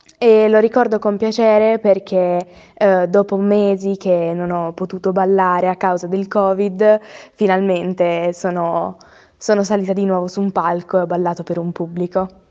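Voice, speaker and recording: The tone is dark and mellow, with flat, monotone intonation. The background is quiet. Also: woman, medium pitch for a woman, moderate pace. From Italy, province of Turin. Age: 20s. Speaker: student and dancer. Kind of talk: recorded personal account. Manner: hesitant, many fillers.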